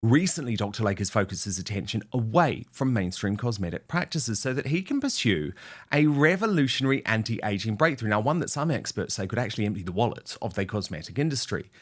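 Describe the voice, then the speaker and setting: A middle-aged man hosts an opinion talk show with lots of emphasis. His pitch moves widely up and down as he argues his points. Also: fairly quick. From New Zealand. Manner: animated, emphatic. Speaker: host.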